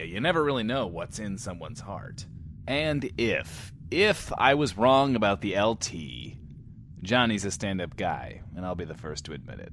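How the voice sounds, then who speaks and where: Dramatic and showy, a male actor voices a pompous, insecure bunker radio host after the apocalypse, spinning a wordy, theatrical in-world monologue and speaking of himself in the third person. His voice is on the low side and a bit bright, with a little hiss or hum in this audio drama.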